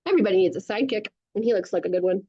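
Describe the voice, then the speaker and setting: A woman reading a storybook aloud to children over a video call, with animated narration and encouraging, chatty asides, in dull lo-fi sound. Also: mid-range voice, racing, slightly rough. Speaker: children's author reading own book aloud.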